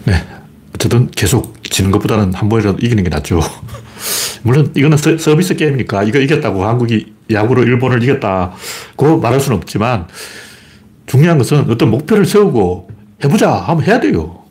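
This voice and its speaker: A man with a Gyeongsang accent speaks in a deeply husky, raspy voice, with pitch that swings widely as he talks. He hosts a casual livestream, greeting viewers and rambling through opinionated, mocking commentary. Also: animated, a little fast, darkish tone. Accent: Gyeongsang dialect. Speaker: livestream host.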